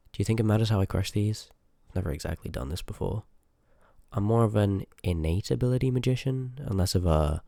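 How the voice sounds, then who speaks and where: A man's voice: low voice, creaky, mellow, no echo. A man playing a rude, sardonic, curious sorcerer in a fantasy ASMR audio roleplay, with dry banter spoken straight to the listener. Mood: casual, focused. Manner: sarcastic, dry banter with muttered asides.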